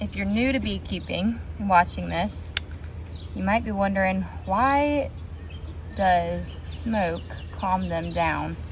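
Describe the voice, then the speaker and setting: A woman speaks at a very slow pace. Long, frequent pauses break her speech, and room echo is audible. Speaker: homesteading vlogger. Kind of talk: casual vlog tutorial. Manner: loud.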